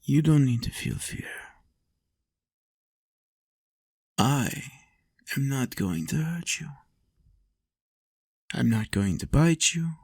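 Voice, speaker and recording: A man's voice: mid-range voice, lively intonation, vocal fry, a little mellow, slightly rough, dry recording, clean studio sound, exaggerated voice. A man playing a lonely, doting vampire lord in an intimate roleplay, soothing and playful as he coaxes the listener. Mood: reassuring, playful. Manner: soothing, unhurried, lapses into whispers and chuckles.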